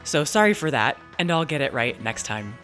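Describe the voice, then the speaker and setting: A woman's voice: a bass voice, big pitch swings, normal speed, a bit bright, soft background music. Tinny, metallic-sounding woman podcast host. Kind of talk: podcast introduction and interview chat. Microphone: laptop's internal microphone. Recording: tinny built-in laptop microphone.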